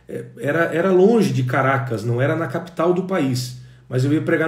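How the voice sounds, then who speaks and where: A man at a moderate pace with ordinary pitch variation is heard through audible room echo and noticeable background noise. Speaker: preacher and teacher. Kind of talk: lecture. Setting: livestream.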